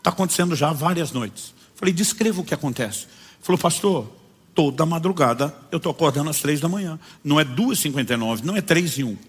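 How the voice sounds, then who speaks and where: A Brazilian man preaches as a pastor, bringing his sermon's stories to life by acting out the dialogue with animation and a Brazilian Portuguese accent. His voice is a little high, slightly rough, and fairly quick, with a big-room sound.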